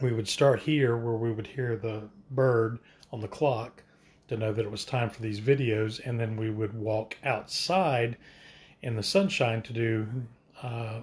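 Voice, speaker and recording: A somewhat breathy man's voice at medium pitch, with fairly even intonation and a fairly slow pace. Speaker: art tutorial host and stroke survivor. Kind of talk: casual tutorial livestream. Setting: indoors, Instagram live video. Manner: hesitant, with occasional stutter-like pauses; casual and filler-heavy.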